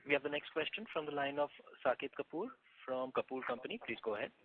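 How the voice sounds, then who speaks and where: A man's voice: mid-range voice, fast talker, slight background noise. A man moderating formally as the operator of a conference call, on a faint phone connection. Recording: faint, thin narrowband phone line.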